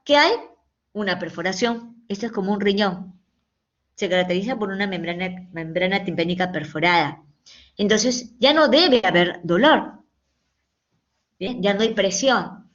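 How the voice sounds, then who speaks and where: A woman giving a medical lecture to students, explaining patiently and often checking in with short questions. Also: mid-range voice. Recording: dull lo-fi recording.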